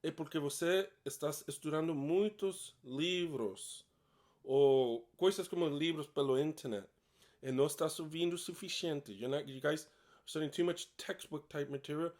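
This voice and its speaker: A man's voice: fairly high pitch, normal speed, darkish tone. A man giving a casual bilingual video lesson as an English teacher. He makes each point in Portuguese and then repeats it in English, in a frank, encouraging, chatty way.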